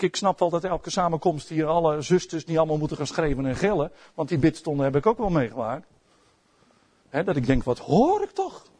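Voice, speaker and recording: A middle-aged Dutch-accented man preaching with a lot of life. His voice sits high, and he moves from soft, quiet asides to loud, emphatic outbursts. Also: breathy edge. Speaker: pastor. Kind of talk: sermon.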